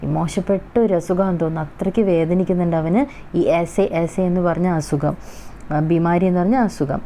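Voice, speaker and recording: A woman with a Malayali accent teaching a Hindi school lesson, slowly reading each line and then explaining it. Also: on the low side, steady tone, warm tone, slight background noise.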